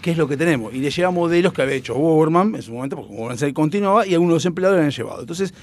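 Young Rioplatense man, animated storyteller, crude and playful, pitch jumping all over. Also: very fast. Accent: Rioplatense Spanish. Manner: animated, crude slang, acts out quotes. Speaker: storyteller host. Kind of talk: casual storytelling chat.

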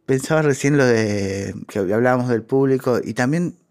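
A man with a mid-range voice conducts a casual interview. He asks short questions and backs the guest up with quick agreement. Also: medium pitch, darkish tone. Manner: brief, affirming questions.

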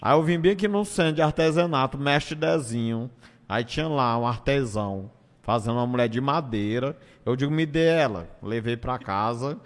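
A man's voice: mid-range voice, moderate pace. A man with a northeastern Brazilian accent, telling stories casually as an interview guest, in a colloquial way that acts out bits and repeats phrases. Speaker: stand-up comedian, interview guest. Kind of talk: casual conversational storytelling. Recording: long hall-like reverb.

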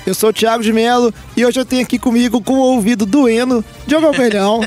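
A man's voice: very high-pitched, steady tone, fast, darkish tone, soft background music. A man with a Brazilian accent hosting a sports podcast, upbeat and teasing with his co-hosts. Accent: Brazilian Portuguese. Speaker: podcast host. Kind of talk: casual sports podcast chat.

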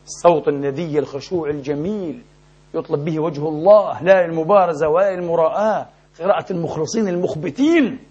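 A man preaching a sermon in a mosque, impassioned and emphatic, with sharp rises in his delivery. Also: a little high, fast, slightly rough. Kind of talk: Friday sermon. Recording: dull lo-fi recording.

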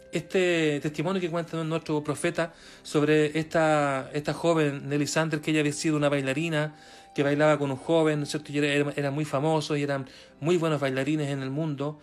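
Chilean male preacher, slightly high voice, hesitant and repetitive, soft music under him. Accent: Chilean Spanish. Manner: halting, many fillers and repeated words, rising for emphasis. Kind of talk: sermon reading and retelling a testimony.

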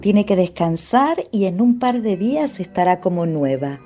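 A woman voicing a nurse who talks slowly and soothingly, as if to children, in a radio play. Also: mid-range voice, expressive, warm tone, faint music behind, close to an everyday voice. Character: brisk female nurse, then grand witch. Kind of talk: radio drama acting.

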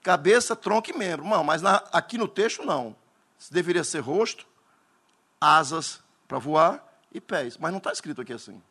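A Northeastern Brazilian man preaching a Pentecostal sermon, telling stories dramatically and bursting into shouts. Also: on the high side, lively intonation, normal speed, breathy edge.

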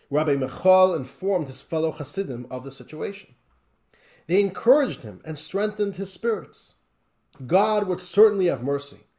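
Man, rabbi type leading a class, higher voice, very lively pitch, storytelling. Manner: animated, conversational, with rising emotional emphasis. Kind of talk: Torah class lecture with storytelling.

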